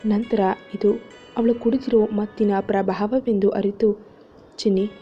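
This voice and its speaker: A woman narrating a serialized story in a smooth, even storytelling way. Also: mid-range voice, a little slow. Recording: dull lo-fi audio with faint music.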